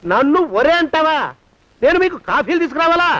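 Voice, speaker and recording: An actor playing a scolding, menacing servant and jealous husband in a film comedy. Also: male voice, extremely high pitch, lively intonation, fairly quick, a bit bright, dry recording. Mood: gruff. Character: gruff threatening servant husband. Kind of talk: Telugu film comedy acting. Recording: dry, slightly dull film sound.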